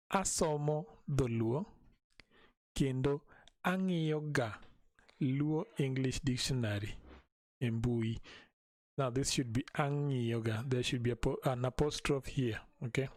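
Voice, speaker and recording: A man teaching a language in a live stream, patiently repeating each phrase slowly for learners. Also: mid-range voice, no echo.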